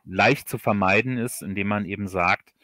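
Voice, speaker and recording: A man's voice: fairly low pitch, moderate pace, bright, forceful tone, no echo. A man from Hesse, Germany, talking casually as a guest author in a livestream interview, often repeating words as he thinks. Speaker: guest author of audio dramas.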